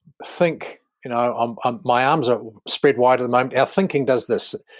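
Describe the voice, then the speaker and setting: With a New Zealand accent, a man talks at a moderate pace using lively intonation. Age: 60s. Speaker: leadership coach. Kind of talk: podcast interview.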